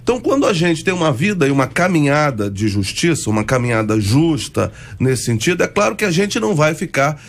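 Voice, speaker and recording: A man with a Brazilian Portuguese accent, a pastor explaining a theological point calmly and methodically on a radio debate. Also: a little high, fairly quick, hardly any pauses.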